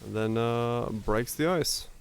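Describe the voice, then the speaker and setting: A man's voice: medium pitch, slow, creaky, smooth. A Finnish-born man whose first language is Finnish, a streamer chatting casually with his viewers as he plays and answering their questions. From Finland. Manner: relaxed, answers chat questions, laughs easily. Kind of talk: casual chat with viewers while gaming.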